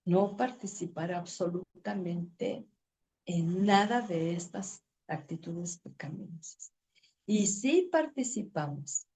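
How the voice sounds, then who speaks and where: A middle-aged woman teaching a women's ministry Bible lesson, expressive, acting out dialogue and reading scripture slowly. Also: mid-range voice. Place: church.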